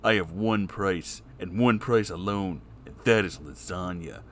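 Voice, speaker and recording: A man voicing a haughty male cartoon cat with a stern, slow, pompous delivery. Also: low-pitched, fairly bright tone, a little hiss or hum.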